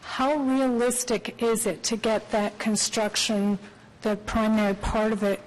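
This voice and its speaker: A woman's voice: a little high, flat delivery, unhurried, poor audio. A woman speaking as a councillor, putting questions to staff in a committee meeting.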